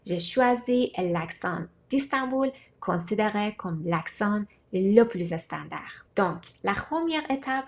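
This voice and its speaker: A woman who learned French as a second language, giving a scripted, measured talk as a language-learning vlogger. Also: medium pitch. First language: not French. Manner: measured, deliberate delivery in short listed phrases. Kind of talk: scripted explanatory monologue.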